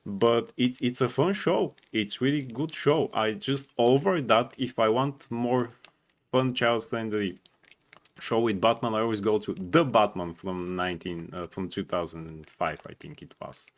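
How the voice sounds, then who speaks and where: A man chatting casually and giving his opinions as a fan panelist, often halting and repeating words as he goes. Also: lowish voice. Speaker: panelist on a fan ranking show.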